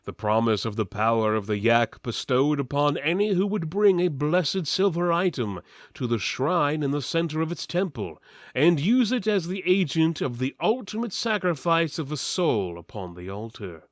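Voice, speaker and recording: A man's voice: a little high, expressive, normal speed, dry recording, clean studio sound. A man giving a theatrical, mock-solemn dramatic reading of epic fantasy as narrator.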